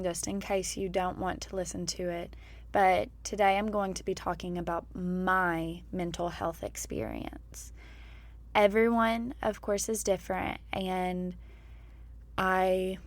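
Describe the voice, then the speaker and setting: A woman in her twenties hosting her own podcast, speaking hoarsely after straining her voice, and talking in a candid, reflective way about her own experience. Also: mid-range voice. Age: 20s. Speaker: podcast host. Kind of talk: personal podcast monologue.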